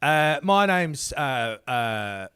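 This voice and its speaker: A man's voice: mid-range voice, big pitch swings, very slow, a bit bright, smooth, no echo, studio quality, heavily acted. A man playing a cheeky, rambling caller who claims to be a New Zealander, speaking in a put-on British accent and calling people "mate". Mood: chummy. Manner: chummy, rambling, slangy with "mate" and "bloody". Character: cheeky male caller posing as a transplanted New Zealander, blokey. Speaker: prank caller. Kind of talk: comedic improvised bit.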